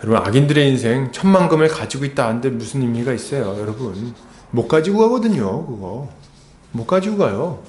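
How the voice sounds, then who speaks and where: A man preaching an expository sermon as a pastor, talking conversationally and asking the congregation rhetorical questions. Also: a little high. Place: church sanctuary. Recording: echoey church hall.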